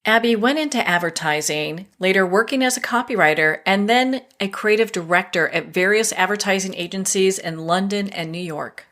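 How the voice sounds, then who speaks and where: A woman's voice: medium pitch, moderate pace, hardly any pauses, a bit bright. Upbeat woman hosting a talk show. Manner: upbeat, laughs easily. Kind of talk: interview hosting.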